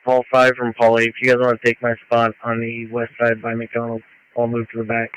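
Flat-voiced officer over two-way radio. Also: male voice, medium pitch, fairly quick, clear, resonant tone. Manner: clipped, matter-of-fact call signs. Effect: heard over a two-way radio. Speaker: police officer. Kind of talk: brief radio traffic. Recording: muffled two-way radio transmission.

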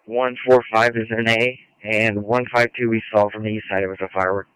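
A man's voice: fairly low pitch, little pitch movement, a little fast, fairly bright tone, smooth, no echo, rough recording. A man, a police officer in the field, replying in terse radio codes over a police radio transmission.

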